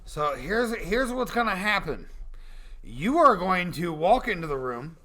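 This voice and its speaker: A man with a high, bright, forceful voice gives casual comic advice on a podcast. He is blunt and folksy, and he swears freely as he talks. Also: very animated, measured pace. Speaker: comedy advice podcast co-host.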